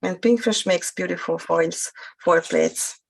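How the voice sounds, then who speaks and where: A woman from Hungary, speaking English with a Hungarian accent, calmly demonstrating a craft technique with frequent hesitations. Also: fairly low pitch, gravelly, slightly rough. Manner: hesitant, many fillers, explains steps slowly. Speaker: guest crafter.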